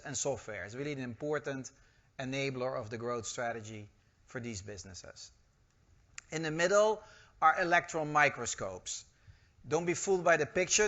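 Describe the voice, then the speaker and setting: A man's voice: fairly high pitch, bright, forceful tone. A man with a Dutch accent giving an enthusiastic, upbeat corporate presentation. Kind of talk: investor presentation speech.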